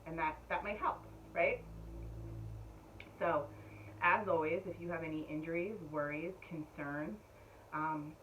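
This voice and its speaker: A middle-aged woman leading an online yoga class, chatting in a meandering way and giving gentle breathing and pose cues. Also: sits low. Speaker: yoga instructor. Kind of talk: casual spoken yoga class guidance. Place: home room. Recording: distant mic, dull sound, faint room noise.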